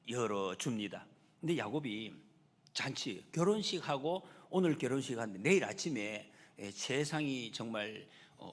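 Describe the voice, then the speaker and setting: A man preaching in a church, his pitch rising and falling in a lively sweep as he builds his points. His voice carries a slightly husky edge, and a long reverb from the hall trails each phrase. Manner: animated preaching, acts out a quoted figure's shouts. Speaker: pastor. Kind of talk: sermon. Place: church sanctuary.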